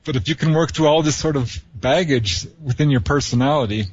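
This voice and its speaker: A man appearing as an author guest on a call-in radio show, explaining ideas calmly and steadily. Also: on the high side, a little fast, breathy edge, highs cut off. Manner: calm explanatory, steady flow.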